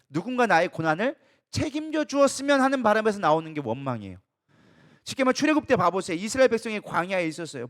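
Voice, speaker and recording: Fast-talking, high-voiced male pastor preaching. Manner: emphatic preaching with rhetorical questions. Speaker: co-lead pastor. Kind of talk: sermon. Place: church.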